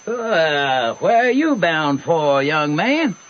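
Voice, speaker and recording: A sly old American fraud with a highish, swooping voice. He hems and drawls with pompous false piety, in old radio drama style. The sound is dull and aged. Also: big pitch swings. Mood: grandly scheming. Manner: hemming, slow, theatrically sanctimonious. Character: pompous, sly old rascal posing as royalty. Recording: dull, faintly noisy old radio recording.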